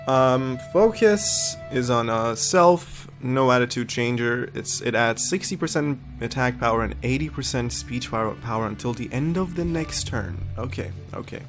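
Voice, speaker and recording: A man hosting a let's-play video, a little sniffly from a cold, thinking aloud and reading game text with frequent ums. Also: mid-range voice. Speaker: gaming video host. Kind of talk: casual let's-play commentary.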